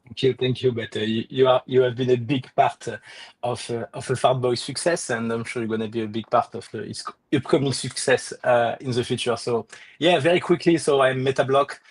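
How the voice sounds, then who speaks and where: A man from France talks with a strong French accent in a loose, casual chat, stopping often on "uh" as he searches for his words. His voice sits at an ordinary pitch. The sound is close and dry, with no room around it. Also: steady tone, brisk, breathy edge, no echo. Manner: hesitant, many "uh" fillers. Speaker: crypto project lead and guest. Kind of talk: casual online audio chat.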